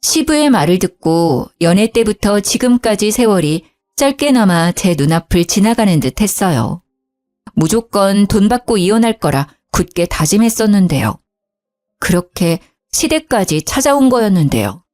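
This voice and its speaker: A woman's voice: mid-range voice, animated, moderate pace, darkish tone. A woman in her thirties narrating her own story in the first person, in an emotional storytelling manner. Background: faint background music.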